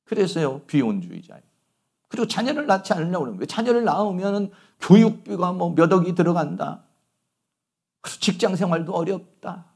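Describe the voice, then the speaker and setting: A man's voice: sits high, sing-song, brisk, gravelly, darkish tone, husky. A middle-aged male pastor preaching a sermon, telling stories and asking rhetorical questions.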